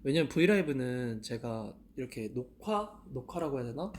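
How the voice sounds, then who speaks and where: A man's voice: mid-range voice, animated, normal speed, a little mellow, slight background noise. A young man in his twenties chatting casually to fans on a live stream, laughing often and asking himself questions aloud. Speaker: idol live-stream host. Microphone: handheld mic.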